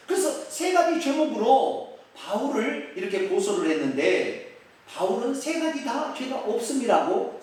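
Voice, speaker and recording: Male pastor, expository sermon, high and animated, questions the congregation, echoey church hall with a distant mic. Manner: animated preaching, asks the congregation questions and acts out quotes. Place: church sanctuary.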